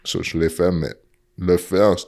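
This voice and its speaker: Deep-voiced young man with a Quebec accent. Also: a little slow, creaky. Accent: Quebec French. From Montreal. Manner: animated, mixes in English slang. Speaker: guest football player. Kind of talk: casual storytelling chat.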